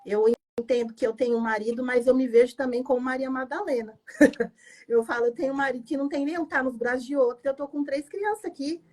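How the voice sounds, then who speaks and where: A woman's voice: sits high, fast talker, a little mellow. A woman pastor tells her personal testimony in an emotional, emphatic way, often adding "né?". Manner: emotional, emphatic storytelling with frequent "né?".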